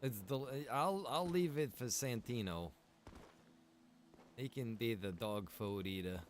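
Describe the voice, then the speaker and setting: A man's voice: medium pitch, measured pace, slight background noise. A man chatting casually as he livestreams a game, rambling along in a laid-back way. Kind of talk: casual livestream chat while gaming.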